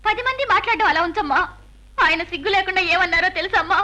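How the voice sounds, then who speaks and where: An actress playing a wronged young wife who speaks through tears and pleads in a dubbed film. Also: female voice, very high voice, fast, sharp tone. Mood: tearful. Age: young adult. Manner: tearful, pleading, indignant.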